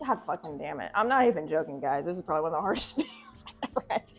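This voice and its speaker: A woman with a slightly low voice hosts a casual video commentary. She is sarcastic and irreverent, swears freely and leans into theatrical exaggeration. Music plays behind her. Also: animated, rapid-fire, gravelly, slightly rough. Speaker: video essay host. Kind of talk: casual, joking video commentary on a horror series. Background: background music.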